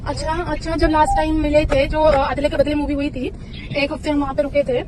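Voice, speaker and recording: A woman's voice: high voice, flat delivery, a little fast, noisy background. A woman arguing on a recorded phone call, insistent and accusing, repeating her complaints. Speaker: caller in recorded phone dispute. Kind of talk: heated phone argument.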